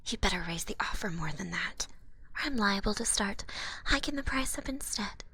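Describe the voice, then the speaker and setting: A woman playing a cute, sly female goblin potion seller in an ASMR roleplay, smooth-talking and teasing in a soft, half-whispered voice. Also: medium pitch, lively intonation, moderate pace, slight background noise. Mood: haggling, mock threatening. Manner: smooth-talking, teasing, casual haggler with gentle threats. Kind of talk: ASMR roleplay, hushed and close.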